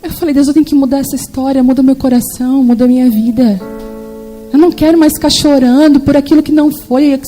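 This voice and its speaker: Woman preacher, Brazilian accent, high pitch, animated storytelling, soft instrumental music behind. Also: fast talker, low-quality recording. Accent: Brazilian Portuguese. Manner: animated storytelling, acting out quoted voices. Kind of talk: sermon.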